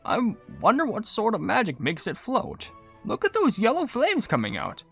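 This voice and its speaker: A man's voice: high-pitched, wildly swooping pitch, normal speed, vocal fry, fairly bright tone, breathy edge, soft background music, full character voice. A man reading the part of a friendly, curious young gingerbread cookie hero from a game. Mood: wondering.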